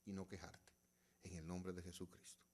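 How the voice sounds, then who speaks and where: A middle-aged male pastor preaching a sermon, swinging between loud, emphatic passages and hushed ones, and asking the congregation rhetorical questions. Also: sits low, little pitch movement, moderate pace.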